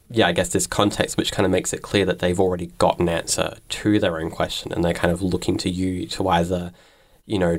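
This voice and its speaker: A man working as an interviewer, asking questions in a casual, informal, meandering way. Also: deep voice.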